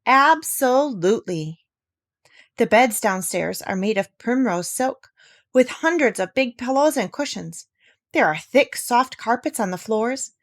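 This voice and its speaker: A woman voicing an excitable, gushing female duck in a storybook, chatty and emphatic. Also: a little high, a little slow. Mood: delighted, excited.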